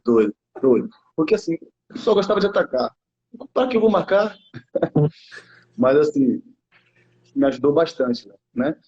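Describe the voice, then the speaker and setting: A Brazilian man in his thirties chats about his football career in a loose, halting way, often restarting phrases and tacking on tag questions. He speaks at a middle pitch. The recording is muffled and lo-fi. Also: a little mellow. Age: 30s. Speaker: youth football coach, former player. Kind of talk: casual interview talk. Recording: muffled lo-fi sound.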